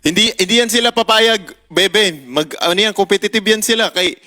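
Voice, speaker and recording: A man's voice: high-pitched, moderate pace, bright, forceful tone. A young man chatting playfully on a livestream, now and then singing along. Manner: playful, sometimes sings along. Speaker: livestream co-host. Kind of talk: casual livestream chat.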